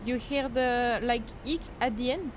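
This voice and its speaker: A woman's voice: a little slow, slight background noise, poor audio. French-accented young woman streamer, playful. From France. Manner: playful, bursts into giggles, swings high when protesting. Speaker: VTuber streamer. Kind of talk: casual gameplay chat with viewers.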